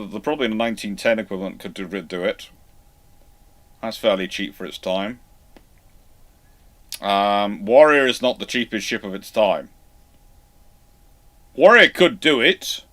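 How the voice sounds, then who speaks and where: A man with a lowish voice hosts an unscripted question-and-answer session. He thinks aloud as he goes, halting mid-phrase and starting again before settling on his point. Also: fairly bright tone. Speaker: host of naval history live Q&A. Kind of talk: off-the-cuff answers to audience questions.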